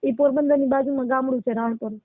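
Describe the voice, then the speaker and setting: A woman's voice: high-pitched, steady tone, fast. A woman of twenty-nine with a Saurashtra Gujarati accent, calling by phone to explain her situation and ask for help. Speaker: caller seeking help. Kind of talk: pleading personal account on a phone call. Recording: dull lo-fi phone call recording.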